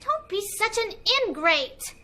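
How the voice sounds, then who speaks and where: A bright, snippy anime little sister. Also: female voice, very high voice, very animated, exaggerated voice. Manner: quick, indignant retorts. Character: feisty young woman, bickering little sister. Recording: anime dub clip with music behind.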